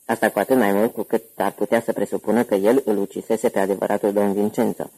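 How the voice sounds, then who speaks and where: A male audiobook narrator with a low, gravelly voice. His tone is dark and somewhat husky. He reads the scripted story at a steady, even pace. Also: poor audio.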